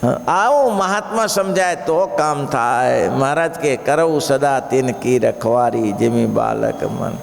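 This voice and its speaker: Gravelly preacher in a hall. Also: male voice, medium pitch, unhurried, few pauses. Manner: animated, acts out story characters with shouts. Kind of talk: sermon with storytelling. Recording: reverberant hall.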